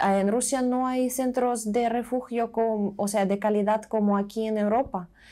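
A woman's fairly high voice, dark and mellow in tone, monotone and flat, at a fairly slow pace with hardly any pauses and very even loudness, in a quiet background. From eastern Ukraine, Donetsk; Ukraine. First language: Russian or Ukrainian (speaking Spanish). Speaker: refugee aid worker. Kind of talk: interview. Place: office.

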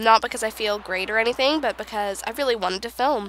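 Amid noticeable background noise, a woman talks at a very fast pace with lively intonation. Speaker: gaming YouTuber. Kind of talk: let's play commentary. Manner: hesitant, many fillers.

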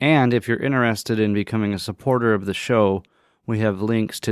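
A man with an ordinary speaking voice, a fairly low pitch and fairly even intonation talks against a quiet background. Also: dry sound with no echo. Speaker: podcast host. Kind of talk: podcast intro. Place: studio.

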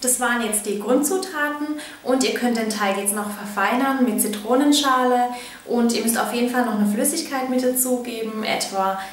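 A woman with a high voice and ordinary pitch variation talks at a moderate pace. Room echo is audible. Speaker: baking channel host. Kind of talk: tutorial. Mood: friendly, calm. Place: kitchen.

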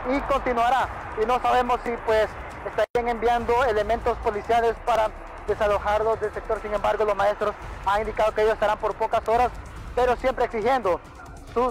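A man speaks at a fairly quick pace in a high pitch, with flat, monotone intonation and very even loudness. The sound is dry with no echo, over light background noise. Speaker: field news reporter. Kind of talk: live news report. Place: street. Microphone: earbuds.

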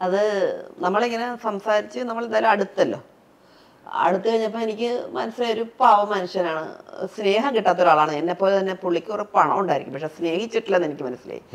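A woman at a medium pitch talks with lively intonation. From Kerala, Alappuzha; Kerala. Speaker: social media influencer. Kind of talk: interview. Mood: emotional, earnest storytelling. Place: studio. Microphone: lapel.

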